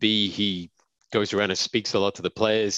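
Over a quiet background, a man with an English accent speaks at a moderate pace in a fairly low, monotone, flat voice. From England. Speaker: podcast co-host. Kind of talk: casual chat.

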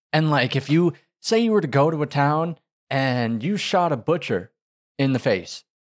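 A man with a normal speaking voice and a fairly high pitch talks with lively intonation on a very clean recording with a silent background. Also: moderate pace. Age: 20s. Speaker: podcast co-host. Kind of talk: casual chat.

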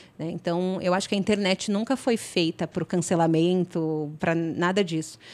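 On a very clean recording with a silent background, a woman speaks at a medium pitch in a dark, mellow tone. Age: 20s. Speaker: English teacher and content creator. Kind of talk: casual interview. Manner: animated.

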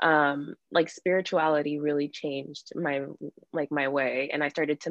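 Her pitch very deep and low, a woman talks in a monotone, flat intonation. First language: Spanish. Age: 30s. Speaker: abuse survivor sharing her story. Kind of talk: personal testimony in interview. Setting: video call.

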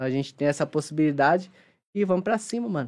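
A man speaks with a São Paulo accent against a quiet background. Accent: São Paulo Portuguese (paulistano). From São Paulo, Brazil (Jaçanã, north zone). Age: 20s. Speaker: personal trainer. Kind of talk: casual interview. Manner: casual slangy speech.

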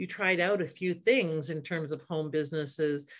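Against a quiet background, a woman with a very deep, low pitch speaks at a moderate pace with ordinary pitch variation. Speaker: podcast host. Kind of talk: interview. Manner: animated.

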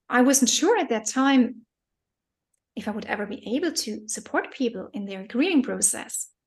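A woman with a German accent speaks at a moderate pace in a high voice with lively intonation. Her loudness swings widely. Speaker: grief coach. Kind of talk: interview. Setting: remote call.

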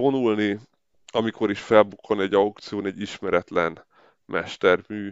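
At a fairly slow pace, a man with a plain, everyday voice talks in a fairly low pitch. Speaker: film podcast host. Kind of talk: solo podcast commentary.

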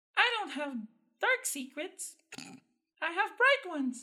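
This put-on character voice sits at an extremely high pitch with very wide pitch swings. The pace is fairly slow. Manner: bubbly, airheaded.

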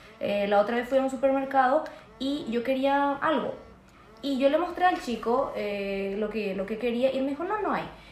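A woman with a high pitch and lively intonation keeps a moderate pace while noticeable background noise carries on. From Paraguay, small town near Brazil. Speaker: guest. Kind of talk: casual chat.

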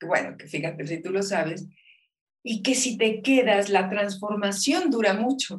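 Somewhat breathy, a woman speaks at a fairly slow pace and medium pitch with ordinary pitch variation and big swings in loudness, and the room echo is audible. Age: 60s. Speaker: radio and TV presenter. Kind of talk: personal testimony.

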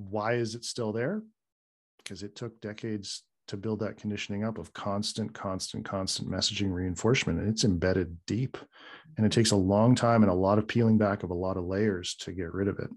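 Against a quiet background, a man with an unremarkable speaking voice and a fairly low pitch talks at a fairly quick pace with fairly even intonation. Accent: Canadian. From western Canada. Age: 40s. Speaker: psychedelic integration coach. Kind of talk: personal testimony in interview.

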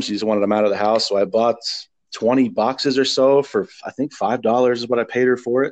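With an American accent and fairly even intonation, a man talks at a fairly quick pace against a quiet background in a normal speaking voice. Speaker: reseller guest. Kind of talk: casual interview chat.

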